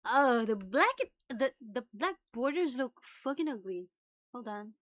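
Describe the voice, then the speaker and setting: Over background music, a livestreamer voicing a visual novel speaks in a fairly high, bright and expressive voice, a little on the slow side. She's casual, murmuring to herself, letting out exclamations and slipping into Japanese now and then.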